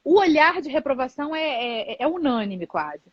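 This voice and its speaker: A woman's voice: high voice, sing-song, normal speed, a crowd in the background. A woman, hosting a live stream and talking candidly as a mother, tucking "né" into her sentences. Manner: reflective, candid, many filler "né". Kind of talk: casual conversation on a live stream. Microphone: video call. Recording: dull, dry lo-fi live-stream audio.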